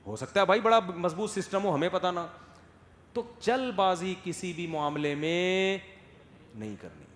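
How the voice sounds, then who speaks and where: A male Islamic scholar giving a religious lecture, moving between loud emphatic points and soft acted asides, often asking listeners if they follow. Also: high voice, animated. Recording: echoey hall with long reverb and faint noise.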